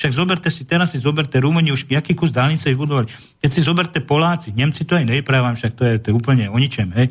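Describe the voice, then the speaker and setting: Very fast, somewhat breathy speech from a man, fairly high in pitch, with ordinary pitch variation. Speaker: trucking association board member. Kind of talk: call-in radio discussion. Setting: radio studio.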